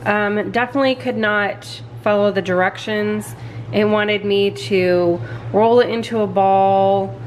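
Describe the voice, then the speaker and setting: A woman's voice: medium pitch, fairly even intonation, measured pace, a little hiss or hum. A woman casually talking through a bread recipe in her home kitchen, chatty and a little self-deprecating. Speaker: vlogger. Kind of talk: casual cooking walkthrough.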